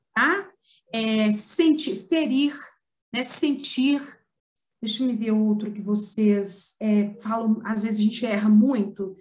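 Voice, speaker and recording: Brazilian female teacher, higher pitch, patient and explanatory, online class. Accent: Brazilian Portuguese. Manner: explains patiently, stretching example words slowly. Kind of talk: online writing lesson.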